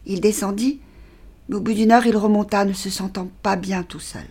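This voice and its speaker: A woman reads a dark story aloud in a husky, breathy voice of middling pitch. Her delivery is measured and dramatic, and at grim moments she sinks almost to a whisper. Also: steady tone. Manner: measured, dropping to a near-whisper in grim passages. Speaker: actress reading a short story. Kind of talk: dramatic literary reading.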